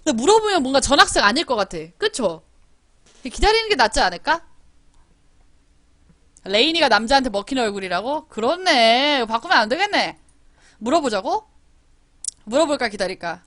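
A woman's voice: high voice, sing-song, normal speed, pauses often, a bit bright, dry recording, studio quality. A woman streaming a life-simulation game, chatting playfully, scolding her characters and reading the story text aloud. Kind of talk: live-streamed game commentary.

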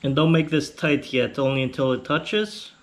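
A man hosting a casual how-to video, explaining a repair step by step in a relaxed, plainspoken way. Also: medium pitch, normal speed. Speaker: motorcycle channel host.

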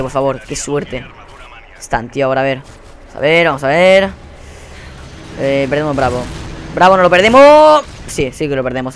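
A young man with a Spain Spanish accent giving live gameplay commentary. He rants in a profane, exasperated way and often bursts into yelling. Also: medium pitch. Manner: profane, exasperated ranting with sudden yelled outbursts. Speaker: gaming channel host.

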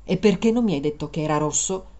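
A woman's voice: deep voice, quick pace, warm tone, voice pushed down, natural voice. A woman reader voicing an irritable, foul-mouthed young man at the wheel, speaking curtly. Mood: irritated. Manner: curt, swearing, exasperated. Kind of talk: dramatized story reading.

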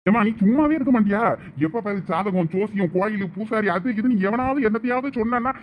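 A man's voice: high-pitched, fairly quick, highs cut off, a little hiss or hum, natural voice. A man in a village comedy skit, playing an impatient young son who bickers with his mother and friend. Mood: exasperated. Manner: exasperated, bickering.

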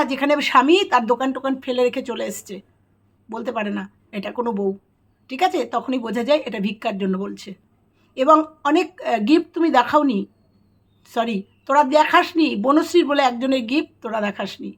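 A woman vlogger, chatting to her viewers in a casual commentary, hesitating often with fillers. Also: sits high.

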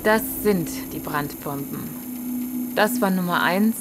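A woman's voice: on the low side, takes it slowly. Woman acting composed police detective, noisy background. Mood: matter-of-fact. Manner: matter-of-fact, explanatory. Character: female police detective, composed, matter-of-fact, businesslike. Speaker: actor in an audio drama. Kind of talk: German radio play dialogue.

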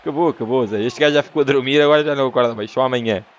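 Excitable young man with a European Portuguese accent. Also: medium pitch, very fast, dull audio. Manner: excitable, bursts into exclamations and laughter. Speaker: gaming YouTuber. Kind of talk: let's play commentary.

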